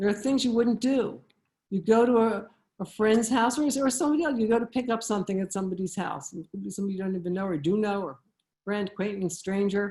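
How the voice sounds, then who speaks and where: Her tone dark and mellow, a woman talks very fast in a somewhat breathy voice. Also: medium pitch for a woman, ordinary pitch variation. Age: 70s. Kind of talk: online lecture.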